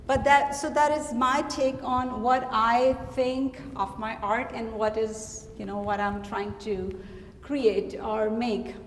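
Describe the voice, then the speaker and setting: A middle-aged woman from Pakistan with a Pakistani accent, an artist giving a reflective, halting gallery talk about her work. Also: a little high, steady tone, a little hiss or hum. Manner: reflective, halting with frequent fillers. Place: gallery hall. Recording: echoey gallery hall.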